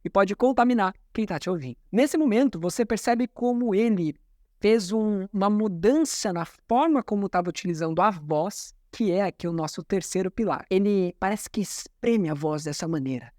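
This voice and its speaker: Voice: mid-range voice, expressive, normal speed, darkish tone, no room sound, studio quality. A communication coach, explaining a talk in didactic commentary and repeating key terms.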